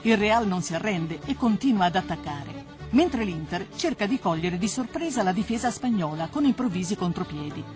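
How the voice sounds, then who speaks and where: A woman's voice: mid-range voice, lively intonation, moderate pace. A woman delivering scripted documentary narration as the narrator of a sports story. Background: music.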